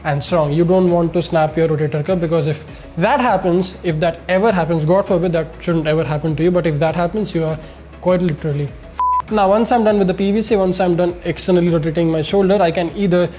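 A man's voice: high voice, steady tone, fast, a little mellow, faint music behind. A man in his twenties with an Indian accent and a nasal, whiny voice stuffed up by a cold and sore throat, presenting fitness instruction to camera with emphatic repetition. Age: 20s. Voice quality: nasal, congested whine from a head cold. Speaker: fitness channel host. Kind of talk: scripted-style instructional vlog to camera. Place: indoor studio with plain backdrop. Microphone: lapel mic.

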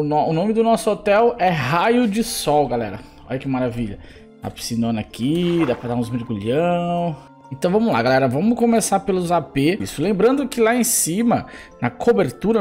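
A man's voice: on the high side, a little mellow. A man with a Brazilian accent doing casual, slangy gameplay commentary, talking straight to his viewers as a YouTube host. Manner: chatty, slangy, addressing viewers directly. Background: background music.

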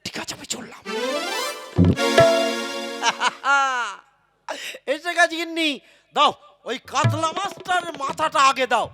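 A man's voice: lively intonation, heavily acted. A man playing a sly, clever village husband. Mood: eager. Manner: quick muttering asides, comic swings in pitch. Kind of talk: folk puppet-show acting. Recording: tabla music behind. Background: tabla and folk music.

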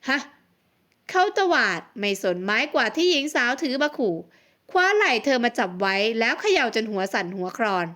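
A woman narrating a romance audiobook in a steady, expressive reading. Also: on the high side, a little fast. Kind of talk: scripted narration.

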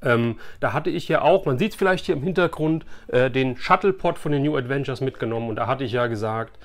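A man's voice: medium pitch, fairly quick. A man chats casually and colloquially to camera as an enthusiastic host. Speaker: YouTube host, toy collector. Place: small furnished room lined with shelves of collectibles.

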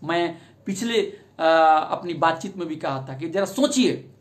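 A man's voice: on the high side, animated, a little slow. A man giving an impassioned public talk, firing rhetorical questions at his listeners. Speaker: speaker on social justice.

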